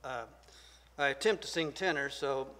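An older man with a Southern American accent teaching a church Bible class at a lectern, soft-spoken, measured and deliberate. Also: medium pitch, in a large hall. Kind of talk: Bible study lecture. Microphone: lectern microphone.

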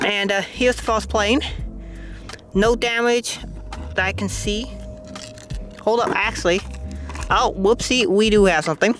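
A man casually unboxing model planes outdoors at an airport, chatty and easily excited, filmed on a tripod-mounted phone. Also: sits high, unhurried, pauses often, over music. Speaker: aviation YouTuber.

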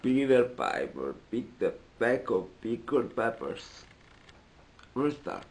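A man in his twenties with an Italian accent, chatting casually as a vlogger in halting, hesitant English as a native Italian speaker. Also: mid-range voice, big pitch swings, gravelly, a little mellow. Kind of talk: casual vlog chat. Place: small cluttered room indoors.

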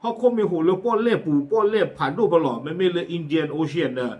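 A man's voice: fairly high pitch, animated, fast talker, lo-fi sound. A man presenting community news in a casual, chatty way, with frequent fillers and asides. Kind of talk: casual spoken news commentary.

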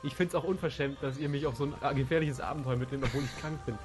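A man's voice: medium pitch, steady tone, fast. A young man with a German accent and a cold, joking and complaining playfully while playing a co-op game. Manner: joking, self-mocking complaints. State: has a cold. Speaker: co-player. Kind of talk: casual gaming chat. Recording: game music behind voice.

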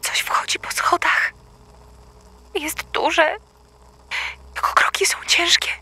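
Lady acting a panicked mom in an audio drama, super high, slow broken words. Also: expressive, sharp tone, heavily acted. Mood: terrified whisper. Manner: panicked, breathless, pleading. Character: terrified mother searching for her young daughter.

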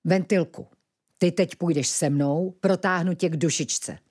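A woman voicing a wise old male ferret who lives in hiding, speaking low and deliberately. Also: darkish tone, natural voice. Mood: calm.

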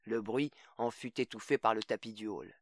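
A man narrating a short story as an audiobook in a measured, steady reading. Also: fairly low pitch, creaky, no echo, studio quality.

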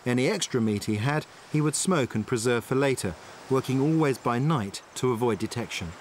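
A man presenting a survival documentary outdoors on a tropical island. He calmly explains and demonstrates each step. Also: mid-range voice, brisk, slight background noise. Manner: calm, explanatory, tells and shows step by step. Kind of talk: documentary narration and on-location demonstration.

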